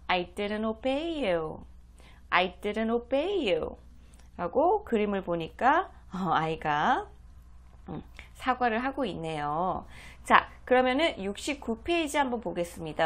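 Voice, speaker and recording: Female teacher, unhurried, repeats phrases carefully, animated up-and-down voice. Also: on the high side. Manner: explains each phrase, repeats English lines slowly. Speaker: English teacher for parents. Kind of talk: slow, deliberate language lesson.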